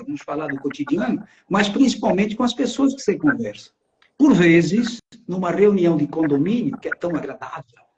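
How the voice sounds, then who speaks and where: High-pitched Brazilian man, teaching casually. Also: darkish tone, a little hiss or hum. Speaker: host and public-speaking coach. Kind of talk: casual live-stream conversation with teaching.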